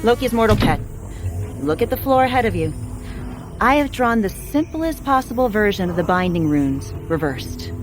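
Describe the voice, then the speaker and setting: A woman's voice: mid-range voice, sing-song, normal speed, over music, natural voice. A woman playing a haughty underworld handmaid and sorceress in a fantasy audio drama, dry and withering. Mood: scornful.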